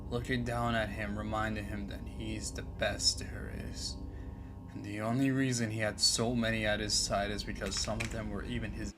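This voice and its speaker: A man slowly reading a dark horror fan story aloud, measured and steady. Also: on the low side. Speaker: streamer and artist. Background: guitar music.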